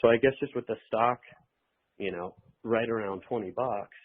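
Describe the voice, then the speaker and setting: A man with a very low, husky voice speaks as an investor caller over a tinny phone line. He gives conversational financial commentary and advice. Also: normal speed. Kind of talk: informal spoken financial commentary. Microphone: telephone.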